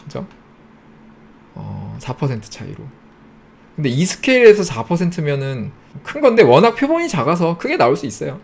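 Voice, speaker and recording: A man talks his viewers through a chart on his own channel and thinks aloud as he scrolls. His voice is gravelly and his pitch rises and falls a lot. He reels off items in quick, clipped phrases. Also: big pitch swings. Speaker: YouTube host. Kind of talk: casual screen-share data walkthrough.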